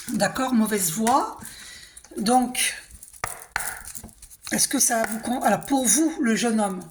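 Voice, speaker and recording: Halting woman reading cards, higher voice. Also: background noise. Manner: hesitant, halting, with many fillers; addresses the viewer directly, checking in with "d'accord?". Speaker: tarot card reader. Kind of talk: casual spiritual card reading.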